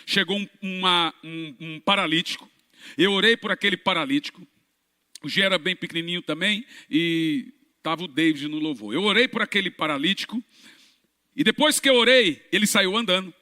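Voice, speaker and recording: Pastor guy preaching loud, high bright voice, big echoey church. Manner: animated storytelling, shouting at peaks. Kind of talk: sermon testimony. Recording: reverberant church hall.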